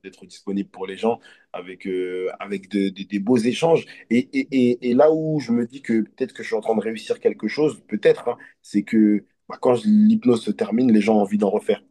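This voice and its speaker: Man from Côte d'Ivoire, hypnotist guest; low husky voice, reflective and earnest. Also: fairly even intonation, fairly quick, warm tone. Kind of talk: casual interview conversation.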